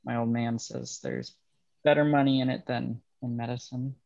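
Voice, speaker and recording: A man playing a bitter young railroad worker in a dramatic table read, speaking in a halting, understated way. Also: mid-range voice, fairly even intonation, vocal fry, darkish tone, highs cut off, natural voice. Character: bitter young railroad man estranged from his ruthless father.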